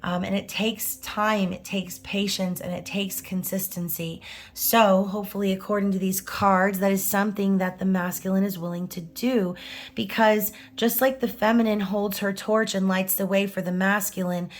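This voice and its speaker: Woman, tarot reader, hoarse scratchy voice, chatty, casual, mid pitch. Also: fairly even intonation, moderate pace. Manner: chatty, frequent "okay?" and "right?" tags, casual swearing.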